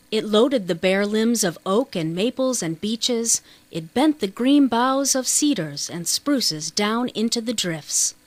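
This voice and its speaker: A woman's voice: on the high side, no room sound. A woman reading a children's novel as scripted audiobook narration.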